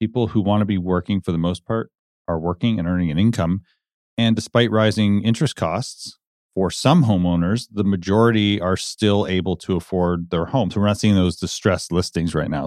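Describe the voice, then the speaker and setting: A man with a fairly low pitch talks at a fairly quick pace with ordinary pitch variation in an ordinary speaking voice, the sound dry and close with no echo on a very clean recording with a silent background. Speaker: economist. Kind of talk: casual interview. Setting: studio.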